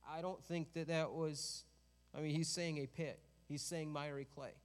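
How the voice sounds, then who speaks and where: A man's voice: on the high side, steady tone, normal speed, big-room sound. A man preaching a sermon in a conversational way, with joking asides and rises to emphatic peaks.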